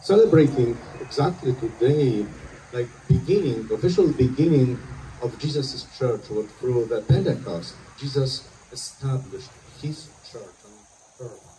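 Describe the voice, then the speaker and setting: There is light background noise. A man speaks at a fairly slow pace. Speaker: priest leading Mass. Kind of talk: liturgy and short homily. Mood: calm, pastoral. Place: open country.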